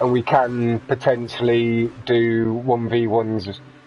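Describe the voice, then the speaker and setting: A man speaks at a medium pitch. Noticeable background noise runs underneath. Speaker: esports racing commentator. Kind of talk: live commentary.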